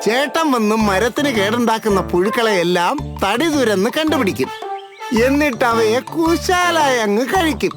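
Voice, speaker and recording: A woman's voice: on the high side, animated, normal speed, close to an everyday voice. A woman voicing a friendly, knowledgeable bird in a children's cartoon, with music behind her. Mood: explaining.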